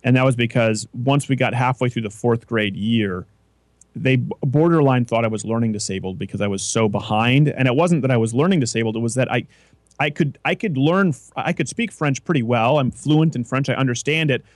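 A man's voice: mid-range voice, a little fast, no room sound. A man hosting a talk show, explaining his views in long, rambling, opinionated stretches with frequent restarts. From Canada. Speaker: host. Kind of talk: casual radio talk show chat.

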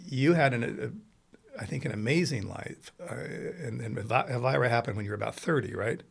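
A man's voice: medium pitch, lively intonation, a little fast, creaky, breathy edge. A man from Italy hosting a casual interview, talking in an enthusiastic, rambling and effusive way. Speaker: podcast host.

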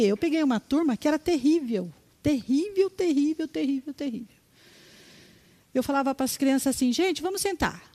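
An older woman from Brazil, a retired schoolteacher, giving a religious testimony as an animated story full of repeated words and quoted dialogue. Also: sits high.

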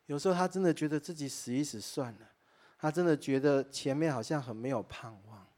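Male pastor with a somewhat high voice, preaching live in church. Earnest storyteller who often exclaims in wonder and turns to address the congregation directly. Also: a little fast. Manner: addresses listeners directly and warmly as dear friends. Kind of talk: sermon.

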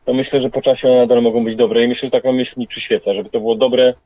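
A man's voice: mid-range voice, flat delivery, quick pace, warm tone, dry recording, highs cut off. A man, a rapper, answering interview questions in a reflective, colloquial way.

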